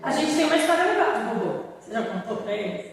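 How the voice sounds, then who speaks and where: A woman teacher chatting in an interview, a lively storyteller who laughs easily. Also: a little high, fast. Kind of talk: casual interview chat. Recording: echoey room from far off.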